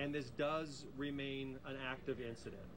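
A man with light background noise. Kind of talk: press briefing statement. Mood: serious, measured. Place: street.

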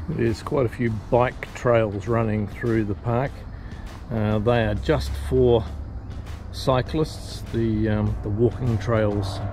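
Against clear music in the background, a man talks at a fairly slow pace in a fairly low pitch with a dry sound with no echo. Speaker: travel vlogger. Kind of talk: casual vlog chat. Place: forest. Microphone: phone near.

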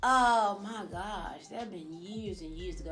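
A woman speaking at a very slow pace, with clear music in the background. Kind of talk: interview answer. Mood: amused, reminiscing. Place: home room. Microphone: camera far.

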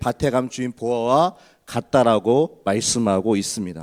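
Recorded very cleanly with a silent background and a dry, close sound with no echo, a man speaks in an animated tone. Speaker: pastor. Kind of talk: sermon. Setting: church. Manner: fast when nervous.

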